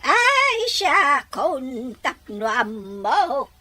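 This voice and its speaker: A woman acts out a doting, fretful older Filipino mother in an audio drama. Her voice is high and swooping, and she takes her time, drawing out exclamations with a Filipino accent. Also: sing-song, drawn-out words, sharp tone, heavily acted. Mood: warm, welcoming. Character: old grandmother or mother, warm, doting, fretful. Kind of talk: Ilocano audio drama acting.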